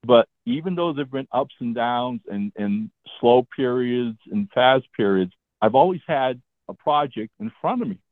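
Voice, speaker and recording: A man's voice: mid-range voice, expressive, moderate pace, no room sound. A man in his seventies, a comic book writer, telling stories about his career as a guest in a casual interview. He talks in a chatty way and keeps checking in with "all right?". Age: 70s. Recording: tinny phone-line sound.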